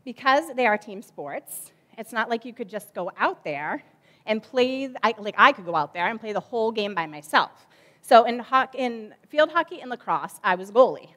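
A woman's voice: on the high side, lively intonation, normal speed, fairly bright tone. Chatty woman giving a church object lesson. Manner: chatty, self-deprecating, lots of fillers. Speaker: children's ministry director. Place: church sanctuary stage.

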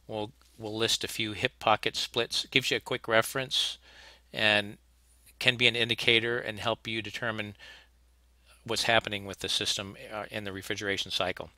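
A man's voice: fairly low pitch, flat delivery, moderate pace, bright, forceful tone, dry recording. A man teaching HVAC technicians in a recorded slide lecture, plainspoken and practical, often restarting his sentences. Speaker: HVAC instructor.

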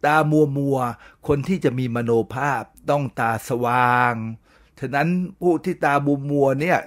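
A man's voice: mid-range voice, measured pace. An older man hosting a radio talk show, lecturing in an emphatic, preachy way and often asking listeners to agree. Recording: radio broadcast.

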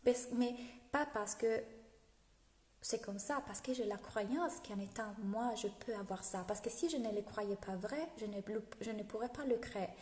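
A fairly high-voiced woman in her thirties speaks French with an Italian accent, chatting lively and laughing as she coaches her followers live. She talks into a phone held at arm's length at home. The room is echoey, with a long reverb trailing her words. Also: normal speed. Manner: lively, laughs often, greets viewers' comments. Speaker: business coach. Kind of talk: live video talk to followers.

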